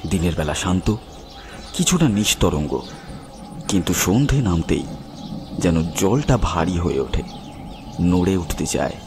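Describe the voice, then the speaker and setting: A man narrating a scripted horror story dramatically, with suspenseful, weighted pauses. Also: deep voice, noisy background. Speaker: narrator and presenter. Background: music with birds and crickets.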